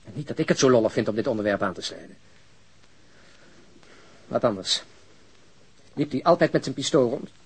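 Blunt, insistent Dutch police detective, slightly husky. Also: male voice, medium pitch, lively intonation, normal speed, pauses often. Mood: subdued, probing. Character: persistent male police detective questioning a bereaved woman. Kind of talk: Dutch radio drama acting.

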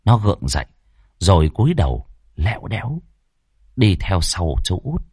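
Husky man narrating a dramatic horror story. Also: deep voice, sing-song, moderate pace, a little mellow, dry recording, clean studio sound.

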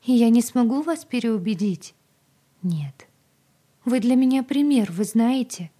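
A woman's voice: on the high side, animated, a little slow, dark tone, slightly rough, pitched above the performer's own voice. A woman voicing a nervous, tearful young pregnant woman who begs and pleads in a raised, shaky voice. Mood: pleading.

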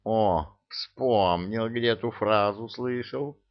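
Cheeky storybook tomcat, sly and a little sulky, voiced by a male narrator, slow and low, lo-fi. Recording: dull lo-fi recording.

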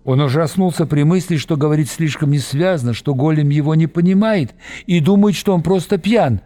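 A man reading a novel aloud as scripted narration, expressive and voicing every character himself. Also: a little high, moderate pace. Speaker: audiobook reader.

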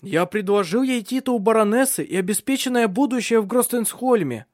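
Guy doing a clumsy young lord, loud and whiny, high pitched, storybook style. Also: lively intonation, fairly quick, no echo, clean studio sound. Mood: exasperated. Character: flustered young nobleman, clumsy and exasperated.

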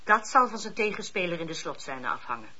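An actress playing a shrewd, poised colonel's wife in a period radio drama, cultivated and pointed in speech. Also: female voice, on the low side, big pitch swings, a little fast, sharp tone, slightly rough, heavily acted. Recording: dull, muffled old radio recording.

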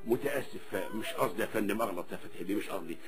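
A man's voice: fairly low pitch, rapid-fire, natural voice. A man with an Egyptian accent playing an obsequious, easily flustered cashier clerk in a radio drama. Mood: flustered, apologetic.

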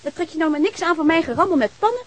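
An actress playing a forthright, hospitable young student in a radio drama, informal, brisk and inquisitive. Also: female voice, extremely high pitch, animated. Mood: curious, chatty. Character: forthright, hospitable female student living alone. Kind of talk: naturalistic radio drama acting.

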